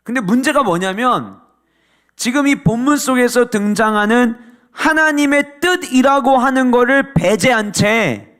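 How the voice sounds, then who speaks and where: A male pastor preaching a sermon, explaining scripture and asking the congregation questions, often dropping his voice low to press a point. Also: animated, unhurried, fairly bright tone, clear, resonant tone.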